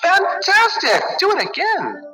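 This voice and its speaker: Man putting on a high-pitched, feisty young princess. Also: wildly swooping pitch, measured pace, distant mic, over music, exaggerated voice. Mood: excited, flattering. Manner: high, exclamatory, theatrical. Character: bold, clever young princess, flattering and feisty.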